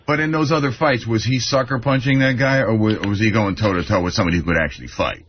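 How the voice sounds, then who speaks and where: Fast-talking man on a radio panel. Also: on the low side, dull audio. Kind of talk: casual radio banter. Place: radio studio. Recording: noisy, band-limited radio recording.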